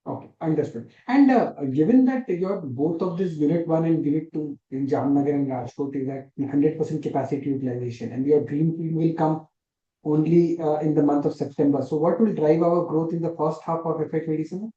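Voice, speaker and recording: A man's voice: on the high side, a little fast, dark tone. A man asking questions as an analyst on a conference call. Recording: dull, echoey conference call audio.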